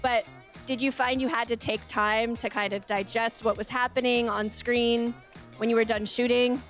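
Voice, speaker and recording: Brief: enthusiastic female interviewer, somewhat high voice, faint music behind. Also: steady tone, normal speed, fairly bright tone. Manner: gushing, enthusiastic. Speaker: entertainment interviewer. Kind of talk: red-carpet interview.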